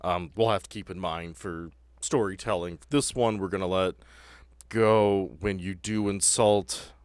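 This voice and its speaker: A man's voice: deep voice, fairly even intonation, a little slow, clean tone, dry recording. A man chatting casually as game master of a tabletop roleplaying podcast, talking players through rulings in an informal, joking way.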